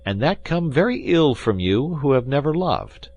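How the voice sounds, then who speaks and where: A man's voice: mid-range voice, big pitch swings, normal speed, a little mellow, dull audio, pitched above the performer's own voice. A man voicing an earnest, hot-headed young musketeer who speaks urgently. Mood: reproachful. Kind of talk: audiobook character reading.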